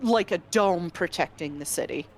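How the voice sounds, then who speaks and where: A woman narrating a tabletop game as game master, relaxed and descriptive. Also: on the low side, normal speed.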